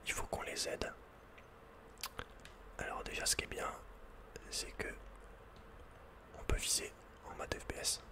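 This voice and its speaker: A man whispering casual, slangy, playful game commentary in a breathy ASMR style, close to the microphone. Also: unhurried, pauses often. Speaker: ASMR video game player.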